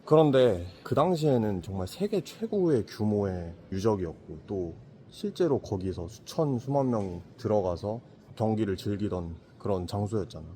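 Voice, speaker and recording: A low-voiced man chats thoughtfully with a companion outdoors, musing aloud and now and then putting on quick character voices. Faint outdoor ambience sits behind his voice. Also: slight background noise. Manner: reflective, acts out imagined villagers in lively voices. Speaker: Christian apologetics channel host. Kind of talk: casual travel conversation.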